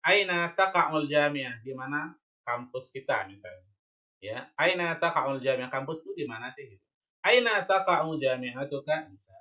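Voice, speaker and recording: A male teacher with a bright, slightly high voice runs an online lesson over shared slides. He is patient and goes over each point again, checking in with "ya?" and "oke?". The sound is dull and lo-fi, like a computer mic on a call. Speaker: Arabic teacher.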